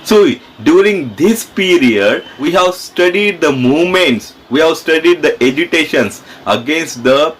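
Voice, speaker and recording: A male schoolteacher with an Indian accent speaks in a fairly high voice. He explains his lesson to students directly, repeating key phrases and putting questions to them as he goes. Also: expressive, measured pace, few pauses, slight background noise, rough recording. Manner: repetitive, asks questions and checks in with students. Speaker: school history teacher.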